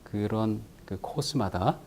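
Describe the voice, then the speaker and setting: A middle-aged man, an orthopedic doctor, explaining treatment and stretching exercises in a calm, measured way as a studio guest. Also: lowish voice, a little hiss or hum. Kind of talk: explanatory medical talk.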